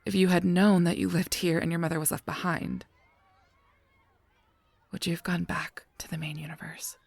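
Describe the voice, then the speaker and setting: An actor playing a solemn, protective guardian angel in an audio drama, speaking gravely and formally with a husky voice. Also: mid-range voice, flat delivery, dry recording. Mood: grave, regretful. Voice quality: husky, breathy, creaky voice. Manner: grave, measured, formal speech. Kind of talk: scripted audio roleplay acting.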